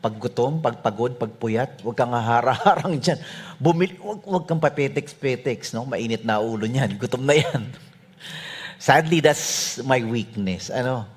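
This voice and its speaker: Husky animated male preacher. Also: medium pitch, moderate pace. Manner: humorous storytelling, animated, dropping to soft asides. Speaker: pastor. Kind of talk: sermon.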